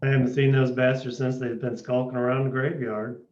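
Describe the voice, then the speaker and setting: An actor playing a gruff, suspicious mining-camp man at a table read. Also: mid-range voice, level tone, brisk, a little mellow, lightly acted. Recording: roomy echo, slightly dull sound.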